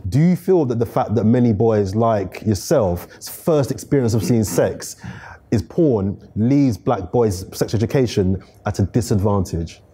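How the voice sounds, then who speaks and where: A man in his thirties hosts a discussion with a low, husky and mellow voice. He poses questions in a measured, thoughtful way. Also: expressive. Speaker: host. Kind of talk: interview questions. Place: bright studio room, city view.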